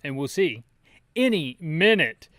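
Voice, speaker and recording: A man's voice: a little high, sing-song, measured pace, fairly bright tone, dry recording, studio quality. A man giving casual, rambling gameplay commentary with sarcastic, nitpicking asides. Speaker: video game playthrough host and narrator.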